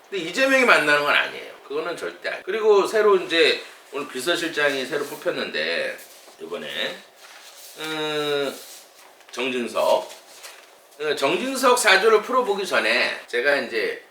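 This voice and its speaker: Fortune-teller man, lively swooping delivery, bright edge, roomy and a bit off-mic; chatty lecture to camera. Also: on the high side, recorded from a distance, slight background noise. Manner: animated, chatty, many fillers, tone rising and dropping. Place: his fortune-telling café. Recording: echoey room, voice a little off-mic.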